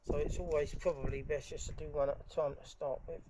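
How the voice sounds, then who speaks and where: Higher-voiced man giving a casual DIY tutorial, noisy recording. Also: little pitch movement, fast. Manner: informal, talking while working. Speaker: DIY presenter. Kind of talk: casual hands-on tutorial narration. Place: outdoors in a garden for part of it. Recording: noisy, clicks and handling sounds.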